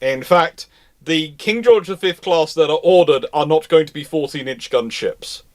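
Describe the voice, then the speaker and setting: A man's voice: fairly high pitch, normal speed. A man hosting a live stream, chatting casually and answering questions in a rambling, self-interrupting way. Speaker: host of a naval history live stream.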